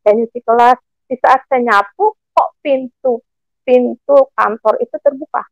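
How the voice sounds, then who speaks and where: Older woman in her sixties, a guest sharing her testimony. Gravelly, lively storyteller who plays out past dialogue. Dry, close recording. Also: on the high side, measured pace, dry recording. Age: 60s. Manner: animated, acts out the dialogue she recalls. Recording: dull lo-fi recording with faint music.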